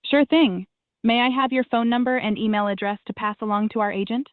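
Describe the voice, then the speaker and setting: A synthetic woman's voice answering calls as a receptionist, polite, even and formulaic. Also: a little high, fairly quick, no echo. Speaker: AI phone receptionist. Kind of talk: scripted phone answering. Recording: dry tinny phone line.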